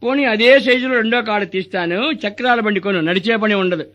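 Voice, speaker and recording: Fast, bright, mocking man. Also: sits high, dull audio. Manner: mocking, bossy, rapid comic banter. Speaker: comic actor playing a corrupt hospital doctor. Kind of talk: comic dialogue sketch.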